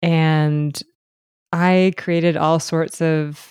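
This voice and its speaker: A woman speaks in a very deep, low voice with fairly even intonation. The recording is very clean, with a silent background and a dry, close sound with no echo. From Ontario, Canada (Georgian Bay). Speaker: podcaster and retreat facilitator. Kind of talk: interview conversation.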